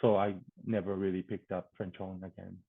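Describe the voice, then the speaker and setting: A man from Japan with a Japanese accent, answering casually as an interview guest, with hesitant phrasing and searching pauses. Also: deep voice, level tone, gravelly, dry recording. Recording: thin phone-like call audio.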